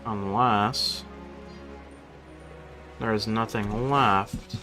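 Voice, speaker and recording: A man doing casual, unscripted game commentary on a stream, thinking out loud and swearing freely. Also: on the low side, fairly even intonation, drawn-out words, faint music behind.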